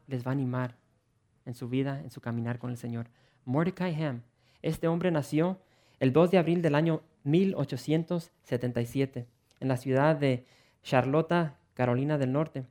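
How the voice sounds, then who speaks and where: A man delivers a sermon to his congregation, earnest and animated. His voice sits a little high for a man, and he often repeats words and restarts phrases. He keeps asking rhetorical questions and calls his listeners brothers and sisters. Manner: earnest and animated, with frequent word repetitions and restarts. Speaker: preacher.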